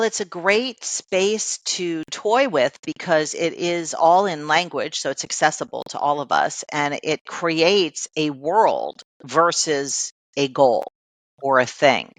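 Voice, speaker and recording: A woman's voice: sits low, dry recording. A woman life coach, a podcast guest, explaining ideas patiently with many everyday examples.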